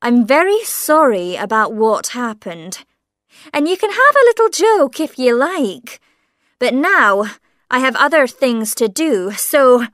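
A woman's voice: high-pitched, big pitch swings, slow, a bit bright, no room sound, clean studio sound, heavily acted. A woman voicing an impatient, dismissive police sergeant in a storybook reading. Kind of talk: audiobook character voice.

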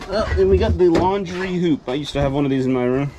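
A man's voice: fairly high pitch, fast. A man casually narrating as he sorts through boxes inside a storage container, thinking aloud in an easygoing way, recorded on a body-worn camera. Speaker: storage auction reseller. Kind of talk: casual unboxing commentary. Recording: noisy handheld outdoor recording.

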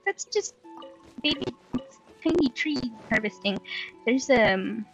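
A high-voiced woman hosts a casual let's play, murmuring her thoughts and breaking into playful exclamations. Her microphone sounds slightly dull, and game music plays behind her. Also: expressive, slow pace. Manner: playful, exclaiming, mutters to herself. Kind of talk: casual gaming chat, thinking aloud.

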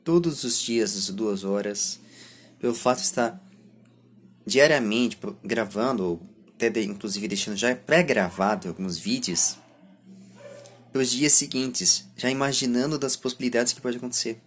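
A man in his twenties with a Brazilian accent and a husky voice, speaking a reflective monologue to camera as a vlogger, halting between short phrases. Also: medium pitch, slight background noise. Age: 20s. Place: small indoor room lined with bookshelves. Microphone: phone or camera at arm's length.

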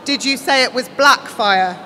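A woman voicing a grave, grieving queen, measured, deliberate and coolly intent, in an audiobook. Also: fairly high pitch, bright, forceful tone, in a large hall, slight background noise. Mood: measured, intrigued. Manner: slow, deliberate.

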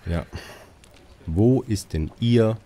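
An actor playing a weary police emergency dispatcher, dry and sarcastic. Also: male voice, on the low side, very slow, dark tone, a little hiss or hum. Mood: sardonic. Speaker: police emergency call operator. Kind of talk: radio play with narration.

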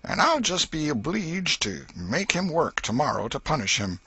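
A man voicing a gravelly, scolding old aunt. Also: a little high, sing-song, normal speed, bright, forceful tone, no echo, pitched above the performer's own voice, heavily acted. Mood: fretting. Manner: scolding, exclaiming, folksy dialect. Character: fussy, soft-hearted old aunt, scolding.

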